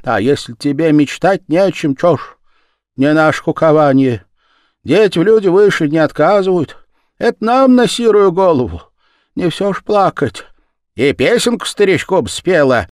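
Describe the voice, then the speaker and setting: A stern old village woman scolds in a raised, cutting voice, as a man reads her part. She is blunt and sharp-tongued, heard dry and close with no room around her. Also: a little high, expressive, normal speed, no room sound, voice pushed up, natural voice. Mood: mocking.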